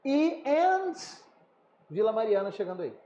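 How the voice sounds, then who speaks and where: A man's voice: high-pitched, very animated, measured pace, dark tone. A man, a chef co-hosting a podcast, joking and hyping promos. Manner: jokey, hyped promos. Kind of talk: casual podcast chat. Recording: roomy, muffled room, faint noise.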